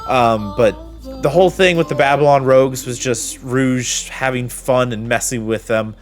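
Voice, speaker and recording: A man with a chatty, expressive manner hosting a reaction video and giving casual commentary and review. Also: mid-range voice, normal speed, faint music behind.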